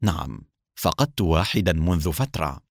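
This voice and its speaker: A man voicing a calm, bitter older male doctor who speaks in measured, clipped phrases. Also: fairly low pitch, no echo, clean studio sound. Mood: cold, clipped.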